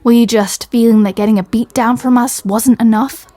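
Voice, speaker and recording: A fed-up superhero woman, acted by a woman for a comedy audio roleplay. Her voice sits a little high with a mellow tone and no room sound. Her delivery is dry and sardonic. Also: fairly even intonation, moderate pace, no echo, soft background music, close to an everyday voice. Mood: dry, accusing. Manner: dry, irritated, sarcastic.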